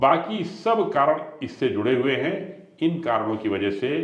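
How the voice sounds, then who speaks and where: A man's medium-pitched voice carries through audible room echo and clear background noise. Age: 60s. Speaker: naturopathy doctor. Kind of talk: interview.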